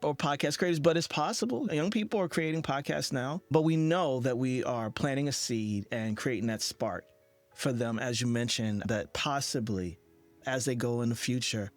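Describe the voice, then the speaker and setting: A man's voice: mid-range voice, moderate pace. Earnest man interviewing, faint music. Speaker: podcast interviewer. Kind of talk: conversational interview.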